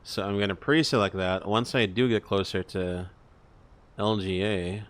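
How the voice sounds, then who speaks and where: A man's voice: fairly low pitch, fairly even intonation, moderate pace. A man streaming a flight simulator as the captain, thinking aloud through cockpit procedures with hesitant, procedural phrasing. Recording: faint background noise, cockpit ambience.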